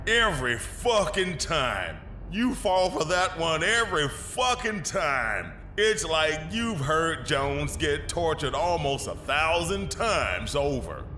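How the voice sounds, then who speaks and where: A man's voice: a little high, very animated, slow pace, hardly any pauses, bright, forceful tone, soft background music, heavily acted. A man playing a cruel, gleeful tattooed prisoner in a horror audio drama, mocking and foul-mouthed. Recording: roomy echo.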